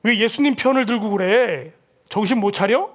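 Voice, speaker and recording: A man's voice: high voice, moderate pace, fairly bright tone. Brief: man voicing irate middle-aged male elders, scolding and barking questions. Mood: angry.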